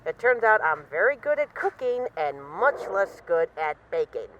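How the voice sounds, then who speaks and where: A woman acts out a female crime boss with a lively, swooping delivery. She is wry and boastful, teasing her partner fondly as in an intimate audio roleplay, and the sound is slightly dull. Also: lowish voice, normal speed, a little hiss or hum. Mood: teasing, rueful. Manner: wry, boastful, teasing, mock-indignant, swearing casually. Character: witty, self-assured female mafia boss, bored, affectionately teasing her partner.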